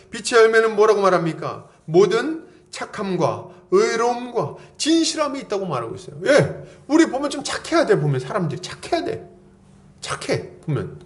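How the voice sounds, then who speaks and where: A male pastor preaching a sermon at a church service, pressing the congregation with rhetorical questions and acting out everyday conversations in casual speech. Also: high-pitched.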